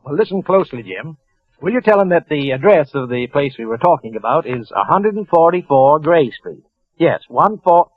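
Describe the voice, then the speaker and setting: An actor playing a nervous clerk on a phone call, hesitant and falsely friendly. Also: male voice, a little high, very animated, normal speed, voice pushed up. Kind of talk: 1940s radio acting. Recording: tinny old phone-line radio recording.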